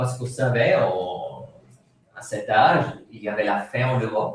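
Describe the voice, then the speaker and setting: A man with a non-native accent speaks, and room echo is audible. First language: German (speaking French). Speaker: speaker at a public talk on seed policy. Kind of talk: lecture. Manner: halting, many repetitions and restarts.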